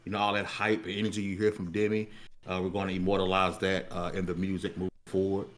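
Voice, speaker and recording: Male podcast host, American, lowish pitch, loose conversational delivery that circles and repeats. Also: completely flat delivery, quick pace, a little hiss or hum. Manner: colloquial, repeats words while searching for phrasing. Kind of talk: casual unscripted talk.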